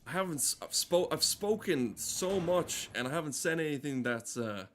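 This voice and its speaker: A man's voice: fairly high pitch, lively intonation, moderate pace, a bit bright, a little hiss or hum. A man rambling casually as a game streamer, swearing often and ranting in a mock-earnest way. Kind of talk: casual rambling livestream commentary.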